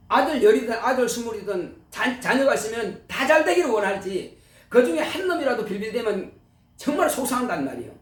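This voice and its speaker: A man's voice: very high-pitched, echoey room, distant mic. A male pastor preaching a sermon, emphatic and full of rhetorical questions to his congregation. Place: church sanctuary.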